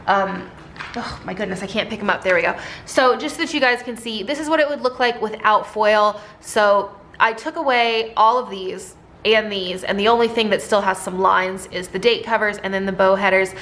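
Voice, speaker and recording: A woman talking casually through her new sticker designs, chatty and rambling, with a slightly hoarse voice. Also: medium pitch, normal speed, fairly bright tone. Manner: chatty, rambling, many ums and likes. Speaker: sticker shop owner and designer. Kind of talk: casual product walkthrough.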